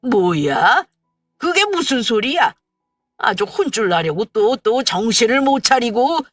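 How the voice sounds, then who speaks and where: Woman putting on a gruff hot-tempered husband. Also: fairly low pitch, animated, slow pace, fairly bright tone, dry recording, heavily acted. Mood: scolding. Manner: barking, scolding, then soothing. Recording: dry, far from mic, faint music.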